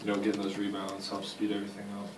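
Flat low-voiced young man, echoey press room. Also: very fast. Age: young adult. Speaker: college basketball player. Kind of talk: postgame press conference answers. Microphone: table mic, far camera. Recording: echoey room, distant mic, noise.

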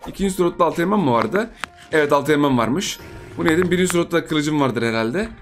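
A man's voice: on the high side, animated, fairly quick, faint music behind. A young man giving chatty live commentary on a game he is playing, repeating himself and teasing the other players. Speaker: gaming YouTuber.

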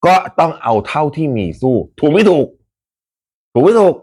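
A man hosting a fan channel, talking casually to viewers about his football club's transfers in a chatty, animated way with rough slang and frequent laughs. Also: a little high, normal speed.

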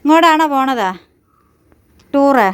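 A woman's voice: high voice, measured pace. A woman in her thirties from Kerala, a college lecturer, narrating her family vlog in a homely, chatty way. She teases and coos at her family, and she records outdoors on a handheld phone while walking home.

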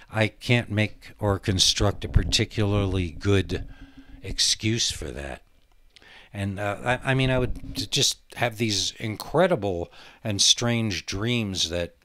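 A man talks through a solo podcast in a musing, halting way, drifting between digressions. His delivery is very slow and his voice fairly low. The sound is close and very dry. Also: a bit bright, no room sound. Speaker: podcast host. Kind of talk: rambling solo podcast monologue.

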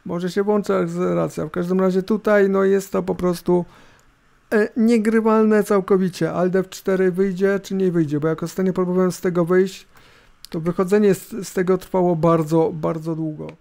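A middle-aged man with a fairly high, soft-edged voice narrates a screencast casually. He rambles informally and hesitates, tossing in little tag questions. His voice has a gravelly creak, and a laptop fan hisses behind him. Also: flat delivery, normal speed. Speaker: host of a tech review video. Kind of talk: casual, unscripted screencast commentary. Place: indoors at a computer. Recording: hissing laptop fan noise. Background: laptop fan hum.

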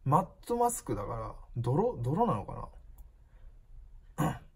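Chatty man with a lively voice, unboxing. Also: mid-range voice, slow pace, gravelly, breathy edge. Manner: chatty, musing aloud, reads labels. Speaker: shop owner and channel host. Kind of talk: casual unboxing chat.

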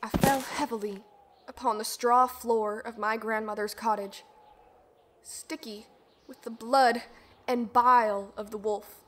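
A woman playing a young, bitter Little Red Riding Hood survivor in an audio drama, telling her ordeal with deliberate, intense emotion. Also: on the high side, fairly even intonation, slight background noise, lightly acted. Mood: shaken, grim. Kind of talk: dramatic first-person audio drama monologue.

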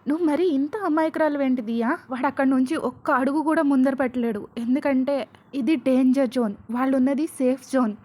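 A woman voicing an obsessive, unhinged young man who rants and shouts at his captive, in a narrated storybook. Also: sits high, fairly even intonation, brisk, close to an everyday voice. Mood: raging.

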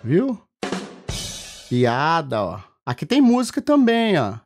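A man's voice: fairly high pitch, wildly swooping pitch, slow pace, a little mellow, soft background music. A man with a Brazilian accent casually demonstrating his streaming gadget, pointing out each step as he goes. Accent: Brazilian Portuguese. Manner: chatty, demonstrative, keeps pointing things out. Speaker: streamer and content creator. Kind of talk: casual tech demo.

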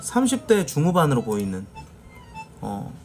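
A man's voice: on the high side, huge pitch swings, moderate pace, soft background music. A man from the Jeolla region, a live streamer chatting casually with viewers and telling stories, acting out the lines he quotes. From Jeolla, South Korea.

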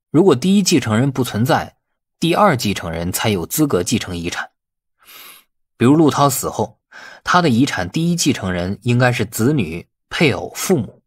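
A man's voice: mid-range voice, husky. A man voicing a brash, irritable, defensive man who grumbles colloquially in an audiobook. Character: brash, irritable man in a family inheritance feud. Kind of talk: audiobook character acting.

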